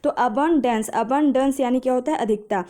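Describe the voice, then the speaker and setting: A woman's voice: high-pitched, warm tone. A woman teaching an exam-prep vocabulary lesson, asking questions and answering them herself, and building memory tricks. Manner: explains patiently with memory tricks, asks and answers own questions; reads English phrases slowly.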